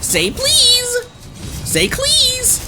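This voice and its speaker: A man chatting casually on a live game stream, playful and quick to react excitedly. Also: extremely high pitch. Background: video game music.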